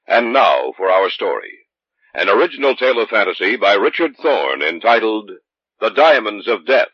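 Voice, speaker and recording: Solemn old-time radio announcer, echoing hall. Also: male voice, lowish voice, sing-song, normal speed. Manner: solemn, rising toward drama. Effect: old radio broadcast recording. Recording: dull old radio recording in a reverberant hall, with music.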